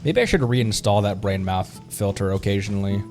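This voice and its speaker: Low-pitched, playful male game streamer. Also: brisk, a little mellow. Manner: playful, silly sound words, stumbles while reading. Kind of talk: casual game livestream chat, reading dialogue aloud. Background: game music.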